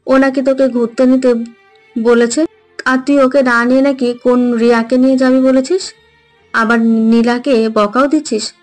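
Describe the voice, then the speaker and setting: A woman's voice: high-pitched, fairly even intonation, moderate pace, darkish tone, soft background music, lightly acted. A woman playing a bossy middle-aged mother who scolds her son in a dramatized audio story. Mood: scolding. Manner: scolding, commanding. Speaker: hero's mother.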